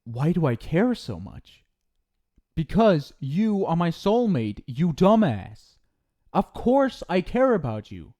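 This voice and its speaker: A young man talks softly in an ASMR roleplay, scolding the listener with teasing affection. His delivery is slow and unhurried. His tone is warm and mellow. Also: a little high, big pitch swings, lo-fi sound.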